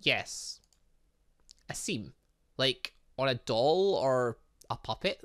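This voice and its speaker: A gaming streamer does let's-play commentary on a game he's playing, rambling along and breaking off for chuckling asides. His voice sits in the mid range and sounds animated and a bit bright, and he takes things slowly.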